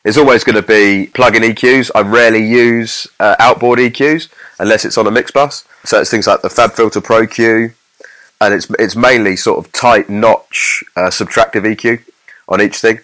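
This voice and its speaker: A man's voice: fairly low pitch, steady tone, normal speed, a bit bright. A man co-hosting a podcast as a mix engineer, giving casual technical explanations in an informal, rambling way full of examples.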